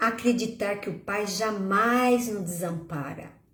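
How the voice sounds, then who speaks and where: A woman speaks at a fairly slow pace in a warm tone. Room echo is audible. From Brazil, São Paulo city. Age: 60s. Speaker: spiritist lecturer. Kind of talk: lecture. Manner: warm, conversational.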